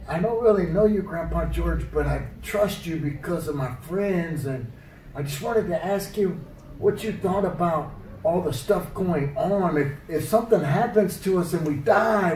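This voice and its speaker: A woman voicing an anxious, naive and excitable boy puppet in a children's show. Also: fairly low pitch, measured pace. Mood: worried. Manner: hesitant, exclaiming, naive. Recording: distant, noisy, echoey room.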